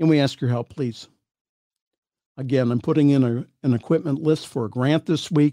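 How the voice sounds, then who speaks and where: The voice has a dark, mellow tone and ordinary pitch variation at a moderate pace. Its pauses are long and frequent, and the sound is dry and close with no echo. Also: man, fairly high pitch for a man. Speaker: talk show host. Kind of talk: news reading and commentary.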